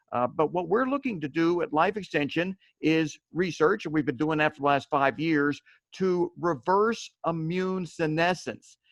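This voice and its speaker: A man with an ordinary speaking voice talks at a moderate pace in a fairly high pitch with ordinary variation, the sound dry and close with no echo against a quiet background. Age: 60s. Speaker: health supplement company co-founder. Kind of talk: video interview discussion.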